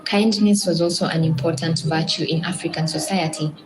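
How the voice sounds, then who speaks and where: A woman's voice: low voice, fairly even intonation, fairly quick, echoey room, poor audio. A woman reading scripted documentary narration as a narrator. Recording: played video with music underneath. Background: music.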